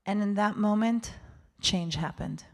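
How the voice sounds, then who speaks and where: A woman's voice: medium pitch, measured pace, darkish tone. A woman who is a native Hebrew speaker, giving a heartfelt, emphatic inspirational address to a congregation as a guest speaker, repeating phrases for effect. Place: speaking live to a synagogue congregation.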